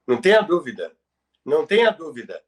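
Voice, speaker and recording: Higher-pitched Brazilian man, emphatic talker. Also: big pitch swings, fairly quick. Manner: emphatic, repeats phrases for emphasis. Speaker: podcast co-host. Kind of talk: conversational radio history commentary.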